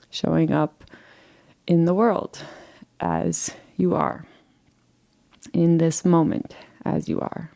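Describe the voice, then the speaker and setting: A woman leading a guided relaxation meditation in a soothing, gentle way, leaving unhurried pauses between phrases. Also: deep voice, gravelly.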